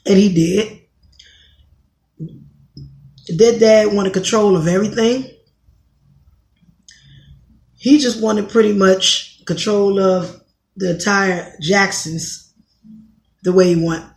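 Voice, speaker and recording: A woman in her thirties from Washington, D.C., with a raspy voice, talking bluntly in a rambling podcast monologue and often correcting herself. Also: medium pitch, slow pace, pauses often, a little mellow, reverberant. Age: 30s. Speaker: podcast host. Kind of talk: casual monologue commentary.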